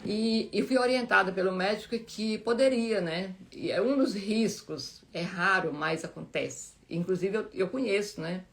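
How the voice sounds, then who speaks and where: A woman giving a heartfelt, informal devotional talk as host of a live Bible reading, halting often with restarts and fillers. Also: medium pitch, creaky.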